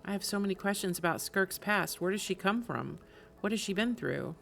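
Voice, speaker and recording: A woman's voice: medium pitch, animated, fairly quick, creaky. A woman streaming a game, casually reacting and reading dialogue aloud.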